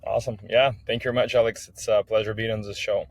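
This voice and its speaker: A man's voice: on the low side, level tone, fast talker, no room sound. A man from Kazakhstan, an English speaker telling his personal story as a podcast guest. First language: not English. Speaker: podcast guest, business owner.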